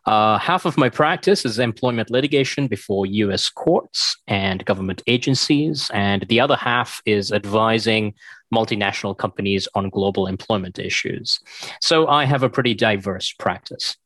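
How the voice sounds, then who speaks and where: A man's voice: on the low side, normal speed, no room sound. A man from Sri Lanka, a guest on a podcast, talking casually with fillers. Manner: relaxed, with fillers like uh and um. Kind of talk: casual conversational chat. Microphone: dry close mic, remote recording from home.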